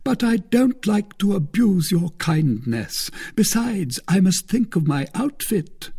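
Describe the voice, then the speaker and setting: A man voicing a haughty, vain male musketeer in an audiobook reading, speaking in a high, boastful, drawn-out way. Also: sing-song, mellow, husky, heavily acted. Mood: pompous.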